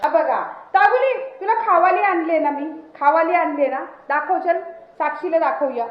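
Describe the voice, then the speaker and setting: A woman vlogger chatting casually and loudly urging her pet dog on. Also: moderate pace, echoey room, highs cut off. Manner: coaxing and urging the dog, often loud and high.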